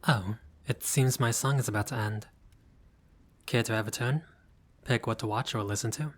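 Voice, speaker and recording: A man plays a vampire lord who is haughty but friendly, speaking directly to the listener in a scripted roleplay with formal, fussy, politely pompous manners and a gracious, refined air. His voice is medium-pitched and everyday-sounding at normal speed, with slight background noise.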